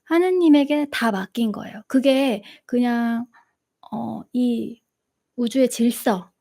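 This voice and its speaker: A middle-aged woman hosting a live question-and-answer talk on meditation, speaking gently and laughing often as she tells stories. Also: a little high, takes it slowly, vocal fry. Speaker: meditation channel host.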